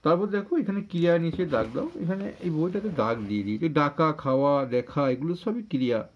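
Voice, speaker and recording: A man gives an informal primary school lesson, explaining conversationally and answering his own questions, in a husky voice. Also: on the high side, expressive, a little fast, slight background noise. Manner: conversational, asks questions and answers them himself. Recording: dull lo-fi sound.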